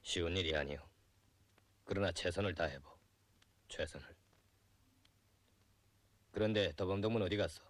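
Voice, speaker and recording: Earnest North Korean revolutionary leader, played by an actor. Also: male voice, low-pitched, normal speed, pauses often, no room sound, lightly acted. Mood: grave, subdued. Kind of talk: North Korean period film acting.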